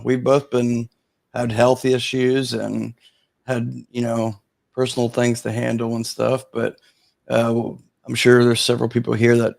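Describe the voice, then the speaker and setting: A man's voice: medium pitch, vocal fry, dry recording. A man hosting a livestream, easygoing and loose, with lots of "you know" fillers. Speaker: livestream host. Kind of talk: casual livestream chat.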